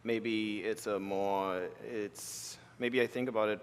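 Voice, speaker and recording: A man's voice: on the low side, steady tone, smooth. A man from the Bahamas, an artist giving a keynote talk, speaking thoughtfully and restarting his phrases often in a live conversation. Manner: thoughtful, halting with repeated restarts. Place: lecture hall with audience. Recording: reverberant hall.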